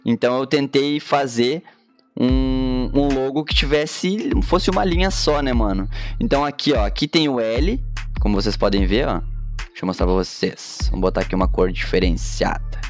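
A man's voice: medium pitch, moderate pace, soft background music. A man in his thirties with a gaúcho Brazilian accent, chatting casually and slangily on a live stream while he draws. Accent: gaúcho Brazilian Portuguese. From Rio Grande do Sul, Brazil. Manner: slangy and laid-back, constant filler tags. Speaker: graphic designer and streamer. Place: home studio room indoors. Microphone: headset.

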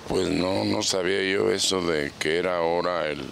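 An older man with a Mexican Spanish accent, answering a street interview outdoors into a handheld mic in a plain-spoken, halting way. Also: sits low, fairly even intonation, creaky, fairly bright tone, slight background noise. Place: outdoor plaza. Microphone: handheld reporter mic.

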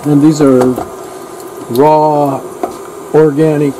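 A man's voice: fairly high pitch, level tone, drawn-out words, noisy background. An older man in his sixties hosting a casual cooking demo in a motor home kitchen, chatty and joking as he shows off a cooktop. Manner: joking, chatty, reads out a manual. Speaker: channel host. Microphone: camera mic from across the room.

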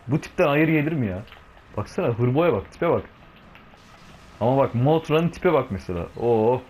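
A young man talks his way through a video game from his home, casual and full of slang. He banters with the on-screen monsters as if they were pals. His voice sits at an ordinary middle pitch for a man. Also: a little mellow, slight background noise. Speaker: gaming video host. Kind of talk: casual let's-play commentary.

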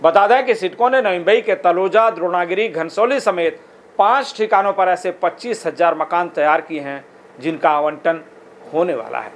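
A man in his forties reading the news as a studio anchor, formal and measured. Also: high voice, a little hiss or hum.

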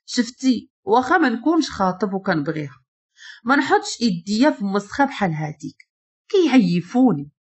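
A woman's voice: medium pitch, sing-song, a little fast, darkish tone, lightly acted. A woman with a Moroccan accent voicing a cool, proud young man who speaks dryly and seriously.

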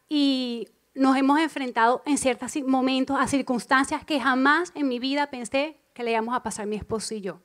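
High-voiced, emphatic woman preacher. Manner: emphatic, repeats key phrases; expressive, acts out inner voices. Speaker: church speaker. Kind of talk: evening church sermon. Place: church congregation.

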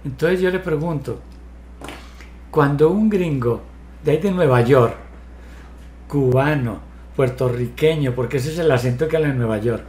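Here the hypnotherapist, a man in his sixties working from his home study, talks at a moderate pace with long pauses in a medium-pitched, slightly mellow voice. He questions pointedly and lectures directly over a roomy-sounding video call with a little hiss or hum.

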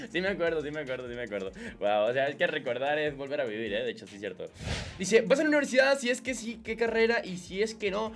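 A man in his twenties with a Mexican Spanish accent, chatting casually to camera as a YouTuber, answering viewer questions in relaxed slang, rising high to read them and sinking low to answer. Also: a little fast. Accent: Mexican Spanish, with a mixed lilt. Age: 20s. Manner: relaxed slangy chat, swings high and loud reading questions, drops low and soft answering. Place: small home studio room, indoors. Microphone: studio condenser mic on boom arm.

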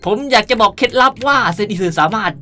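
Young male, bright sharp tone, playful gaming host, casual tutorial delivery, music in the background. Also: high-pitched, quick pace. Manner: playful, animated, uses cutesy polite sentence endings.

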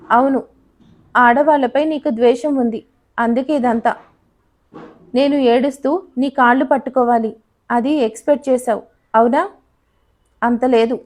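A woman's voice: sits high, lightly acted. A woman voicing a desperate, defiant young heiress in an audio story, speaking in pleading and indignant tones. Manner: pleading, then sharp and indignant.

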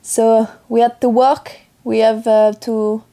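A young woman from France speaking English with a French accent, chatting casually in her vlog with a hoarse morning voice. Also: a little high, level tone, slow, warm tone. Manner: chatty, upbeat, loose non-native phrasing. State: hoarse from just waking up. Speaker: athlete vlogger.

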